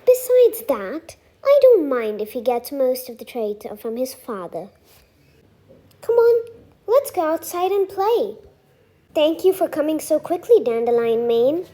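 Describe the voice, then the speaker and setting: Woman voicing a very high, childlike young clan cat. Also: big pitch swings, measured pace. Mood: gentle, motherly. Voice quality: childlike, soft. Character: young warrior-clan cat, earnest and dramatic. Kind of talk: voice audition reel, animated cat story.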